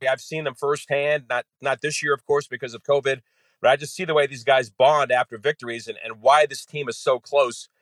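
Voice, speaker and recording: Man, baseball radio announcer, interview guest, mid pitch, detailed, measured, dry close sound. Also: no echo. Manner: detailed, measured, steady flow of facts. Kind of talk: podcast interview guest, analysis.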